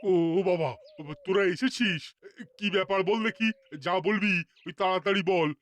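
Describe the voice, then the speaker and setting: Man playing a high-voiced, flustered old headmaster. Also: normal speed, close to an everyday voice. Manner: flustered, stammering, repeating himself. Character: worried, helpless older male school headmaster. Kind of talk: animated children's cartoon acting.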